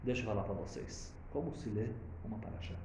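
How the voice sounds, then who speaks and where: A man voicing an elderly Hasidic rebbe who questions softly and calmly. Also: fairly low pitch, quick pace, reverberant, voice pushed down, lightly acted. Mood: calm probing.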